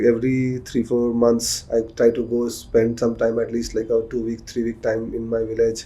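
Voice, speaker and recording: Dark, mellow tone from a man with an Indian accent, medium in pitch and moderate in pace. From India, Bihar (Muzaffarpur). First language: Maithili. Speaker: AI startup founder. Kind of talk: podcast interview. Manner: halting, many fillers.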